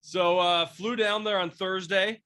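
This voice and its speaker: A man's voice: high-pitched, fairly even intonation, unhurried, sharp tone, clean tone. A man in his twenties, congested from a cold, hosting a casual sports podcast and rambling with lots of fillers and restarts. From Washington State, near Seattle. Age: 20s. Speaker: podcast host, sports beat writer.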